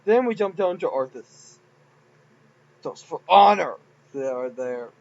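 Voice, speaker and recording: Giggly rambling man, high voice. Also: animated, unhurried, lo-fi sound. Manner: rambling, giggly, self-mocking. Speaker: game modder. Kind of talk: casual game commentary.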